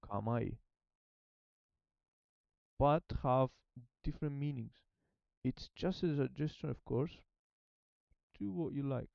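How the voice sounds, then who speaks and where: Slow and gravelly, this mid-range male voice has a darkish tone and long pauses, recorded with no room sound and a muffled quality. A non-native Japanese learner, he reasons aloud in a casual study vlog, hesitantly repeating phrases as he translates.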